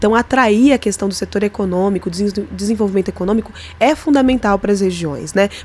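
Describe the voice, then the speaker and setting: Over noticeable background noise, a woman talks at a very fast pace with a medium pitch and ordinary pitch variation. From Araraquara, São Paulo interior, Brazil. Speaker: state legislator. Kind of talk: interview.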